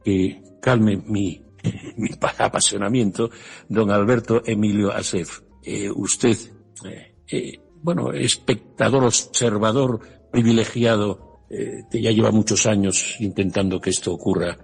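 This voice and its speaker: A man's voice: lowish voice, steady tone, measured pace, creaky, husky, in a large hall, faint music behind. A middle-aged man hosting a program, giving an impassioned, digressive introduction full of hesitations and restarts. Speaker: program host. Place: Brussels.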